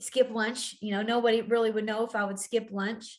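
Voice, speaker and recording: A woman's monotone, flat delivery in a Kentucky accent at a fairly quick pace. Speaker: eating disorder recovery coach. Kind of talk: interview.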